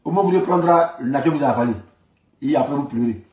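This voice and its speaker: A man's voice: medium pitch, fast, a little mellow. A man with an Ivorian accent giving an informal political monologue, insistent, repeating phrases for emphasis and asking rhetorical questions. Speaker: political commentator. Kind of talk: informal spoken political monologue in reply to a speech. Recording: roomy echo, distant microphone.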